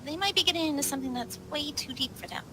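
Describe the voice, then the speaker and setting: A woman's voice: high voice, very fast, a crowd in the background. A woman playing a tabletop roleplay, talking casually in character with a dry, skeptical manner. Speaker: roleplay player.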